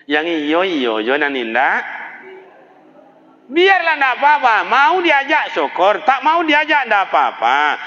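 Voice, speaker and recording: A man preaching a sermon in a mosque with a Kuantan Singingi Malay accent, dramatic and animated, telling stories in a folksy way. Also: sits high, takes it slowly, long pauses. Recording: echoey mosque hall, dull PA sound.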